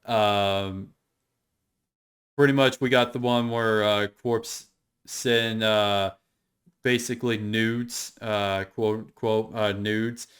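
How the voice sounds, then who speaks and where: A man's voice: fairly low pitch, steady tone, slow, fairly bright tone, clean tone. A man giving casual, unscripted commentary as an online drama explainer, rambling and repeating his points in an opinionated way. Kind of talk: casual unscripted commentary going through screenshots.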